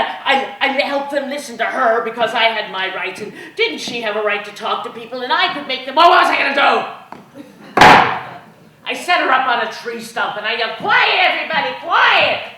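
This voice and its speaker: A woman voicing a brash, rowdy male mob leader with a rough folksy dialect, performing a one-woman historical story in an echoey hall. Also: a little high, pushed and bright. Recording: echoey hall, faint room noise.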